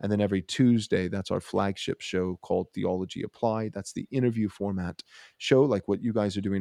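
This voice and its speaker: A man's fairly low voice, dark and mellow in tone, with ordinary pitch variation and a dry, close sound with no echo. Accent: Texan. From Texas Gulf Coast. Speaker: pastor. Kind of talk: podcast discussion.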